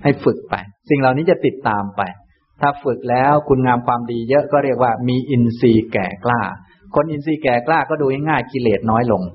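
A man, a Buddhist monk teacher, giving a calm, gentle dharma talk and answering questions. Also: mid-range voice, highs cut off. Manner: calm, unhurried, gentle explaining.

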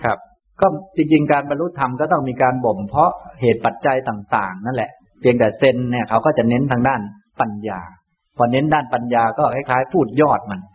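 Calm husky Thai monk teaching. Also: male voice, medium pitch, highs cut off. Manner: calm, unhurried, gentle explaining. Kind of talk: dharma talk answering questions.

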